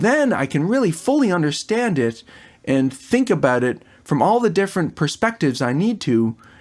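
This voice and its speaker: A man speaks in a high pitch with very wide pitch swings and very even loudness. The recording is very clean with a silent background. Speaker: YouTuber and electronics/audio hobbyist. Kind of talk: casual talk-to-camera tutorial. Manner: fast; casual, filler-heavy.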